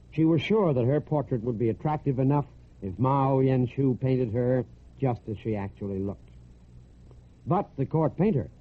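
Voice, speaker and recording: A narrow, tinny old radio recording carries the voice of an American man. He hosts a military radio programme and tells scripted stories. His delivery is folksy and conversational, like a storyteller talking straight to the listener. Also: medium pitch.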